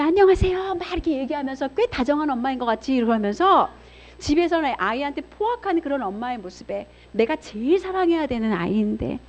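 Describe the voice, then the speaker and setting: Brief: middle-aged woman preacher, high lively voice, dramatic storytelling, dull lo-fi church recording. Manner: expressive storytelling, acts out voices, swings between loud and hushed. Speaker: pastor's wife giving a seminar talk. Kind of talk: church seminar sermon. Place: church hall. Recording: dull lo-fi sound.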